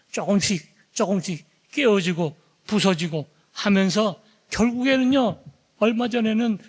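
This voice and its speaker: A man in his seventies preaching a sermon as pastor, telling a story with animated flair and tagging lines with a questioning "eh?". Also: high voice. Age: 70s. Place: church sanctuary. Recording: long church hall reverb.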